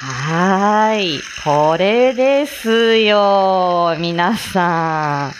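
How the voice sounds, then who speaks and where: A woman's voice: fairly low pitch, animated, extremely slow, background noise. A woman hosting a casual live stream, chatting and laughing often as she reads viewer comments, with plenty of fillers. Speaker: live stream host and voice actor.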